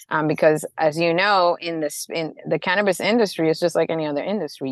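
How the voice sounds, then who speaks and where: With an American accent and an unremarkable speaking voice, a woman speaks at a moderate pace and fairly low pitch with ordinary pitch variation, the sound dry and close with no echo against a quiet background. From Dominican Republic, then New Jersey from age 13. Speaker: Navy veteran and cannabis entrepreneur, author. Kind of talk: interview.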